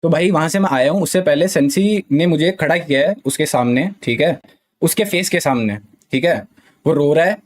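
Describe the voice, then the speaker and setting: Young adult Indian man, gaming streamer, heated and defensive, live chat address, higher voice. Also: normal speed. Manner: heated, defensive, repeats "ठीक है" often.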